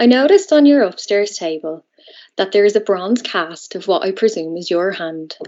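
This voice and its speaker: A woman with an Irish accent speaks at a moderate pace in a medium pitch, her intonation lively. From Ireland. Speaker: artist. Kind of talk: reading aloud. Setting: online symposium.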